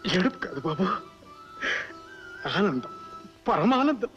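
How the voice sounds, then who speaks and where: An actor playing a kind old grandfather who speaks softly and fondly, in an old film drama. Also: sits high, sing-song, takes it slowly, heavily acted. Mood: tender. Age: older. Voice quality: soft, tender, fond. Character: kind gentle old grandfather, tearful with joy. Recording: dull old film soundtrack with music.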